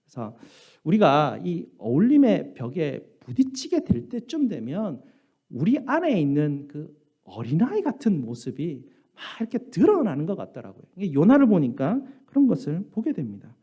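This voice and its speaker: A man's voice: normal speed, husky, dull audio. A man preaching a Sunday sermon as pastor, telling stories and acting out voices with big swings. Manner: animated storytelling, acts out quoted voices with big pitch jumps. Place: church sanctuary.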